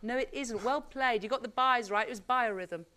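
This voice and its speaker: A woman's voice: on the high side, moderate pace, sharp tone. A woman hosting a game show, reading quiz questions and cheering contestants on in a chatty, exclamatory way.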